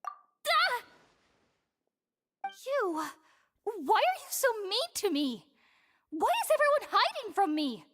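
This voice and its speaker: Unhinged female zealot from a game, super high voice, slow fervent delivery. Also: big pitch swings, fairly bright tone, slight background noise, heavily acted. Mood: hurt, frantic. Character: deranged female religious zealot, rapturous and desperate. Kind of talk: dramatic video game acting.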